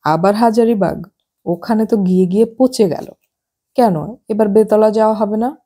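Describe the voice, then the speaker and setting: A woman reading the part of a spirited young married woman in an audiobook, speaking in a higher, lively, scolding tone. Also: moderate pace, breathy edge, close to an everyday voice. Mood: teasing.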